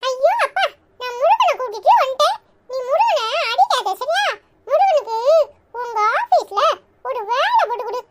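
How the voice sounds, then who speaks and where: A woman voicing a squeaky cheeky little boy. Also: sing-song, moderate pace. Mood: chirpy. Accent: Tirunelveli Tamil. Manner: chatty, bossy and cheerful. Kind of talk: cartoon voice acting. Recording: clear background noise.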